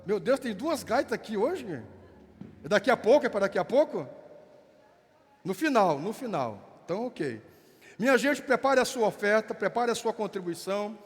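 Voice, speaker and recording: A man's voice: high voice, very animated. A man from southern Brazil with a gaúcho accent, a pastor leading prayer and giving notices in church. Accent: gaúcho Brazilian Portuguese. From Rio Grande do Sul, Brazil. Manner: fervent, drawn-out prayer lines, playful banter. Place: church sanctuary with worship music. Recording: reverberant hall with music behind.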